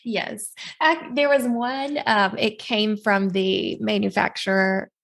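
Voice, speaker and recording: Chatty woman with a gravelly edge. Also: medium pitch, steady tone, takes it slowly, fairly bright tone. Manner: chatty, friendly, frequent fillers and laughs. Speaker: candle maker guest. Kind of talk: casual interview chat.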